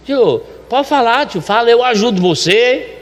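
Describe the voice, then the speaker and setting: A man's voice: very high voice, lively intonation, measured pace, long reverb tail. A man voicing a simple, eager, kind middle-aged man who repeats himself in a childlike way.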